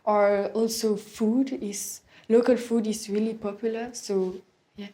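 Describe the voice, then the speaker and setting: A woman's voice: mid-range voice, little pitch movement, a little slow, dark tone. A young woman from Belgium, hesitantly answering exam questions in simple English, searching for words. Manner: hesitant, searching for words, non-native phrasing. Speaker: English speaking test candidate.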